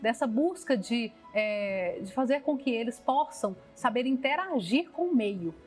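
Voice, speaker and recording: A woman's voice: fairly high pitch, expressive, unhurried. A woman with a Brazilian accent answering in an interview, explaining as she goes and often rephrasing. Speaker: theatre company producer. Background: music.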